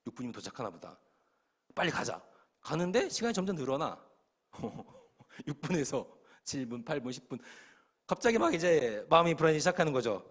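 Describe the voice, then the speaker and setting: A man's voice: fairly high pitch, brisk, breathy edge. A middle-aged male pastor telling a story in his sermon to young adults, acting out the dialogue as he goes. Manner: lively, animated storytelling with acted-out dialogue.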